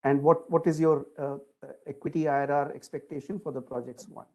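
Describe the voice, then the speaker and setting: A man's voice: a little high, fairly even intonation, brisk, a little mellow. A man asking detailed questions as an analyst on an earnings call, polite and hesitant.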